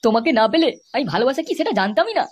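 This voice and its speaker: A performer voicing a flirtatious, boastful village lover in a comedy cartoon, theatrical and husky, with a West Bengal accent. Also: high-pitched, big pitch swings, racing. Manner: theatrical sweet-talking. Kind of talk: amateur comedy cartoon dialogue.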